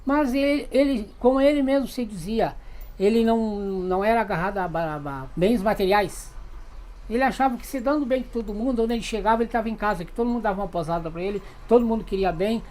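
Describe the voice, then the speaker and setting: A woman's voice: mid-range voice, fast talker, a little mellow. A woman, speaking emphatically in a documentary interview. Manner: fervent, emphatic.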